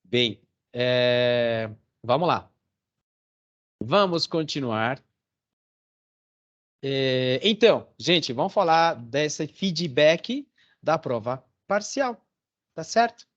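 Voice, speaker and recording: A man's voice: mid-range voice, lively intonation, very slow, long pauses, a bit bright, dull audio. A man teaching a Portuguese class online, telling stories in a chatty way and checking in with his students often. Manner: chatty storytelling with frequent "né?" and "tá certo?". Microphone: phone or computer on a video call.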